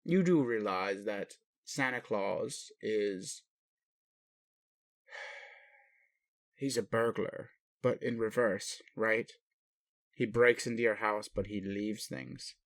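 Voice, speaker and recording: A man playing a gentle, puzzled alien daddy in an intimate roleplay audio, indulgent and bemused, with questioning hesitations. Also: fairly low pitch, takes it slowly, pauses often, dry recording, studio quality. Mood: playful, bemused. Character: gentle, puzzled alien daddy, adult male spaceship commander. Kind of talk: intimate roleplay audio, speaking to one listener.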